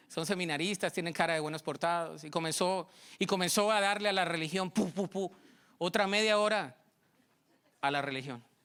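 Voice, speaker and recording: A man with a high, bright, sharp voice speaks at a fairly quick pace with ordinary pitch variation, leaving long, frequent pauses. The recording is very clean, with a silent background. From Colombia. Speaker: pastor. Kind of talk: sermon. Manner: animated.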